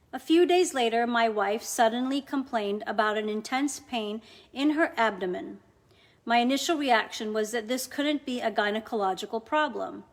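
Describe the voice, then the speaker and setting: A woman reading a devotional testimony aloud from a script in a measured, deliberate manner. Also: fairly high pitch. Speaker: devotional reader.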